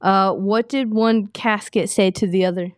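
A woman chatting on a morning show, enthusiastic and animated. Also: mid-range voice, unhurried, clean tone. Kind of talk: casual studio chat.

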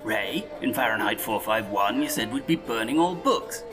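An actor playing a scheming, pompous English writer turned dictator in a comedy audio drama, speaking articulately and persuasively. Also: male voice, lowish voice, lively intonation, normal speed, music in the background, lightly acted.

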